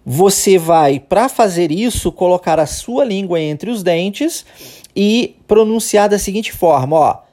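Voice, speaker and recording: A Brazilian man hosting an English-lesson podcast, explaining step by step, often checking in with "tá?" and slowly demonstrating sounds. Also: high-pitched, lively intonation, dark tone. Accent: Brazilian Portuguese. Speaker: English teacher, podcast host.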